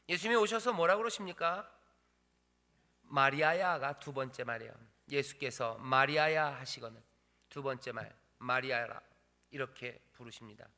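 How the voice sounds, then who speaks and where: Korean pastor preaching in a reverberant church. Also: male voice, a little high. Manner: emphatic preaching, repeating phrases, swinging between loud and hushed. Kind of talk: sermon. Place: church sanctuary. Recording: long hall reverb.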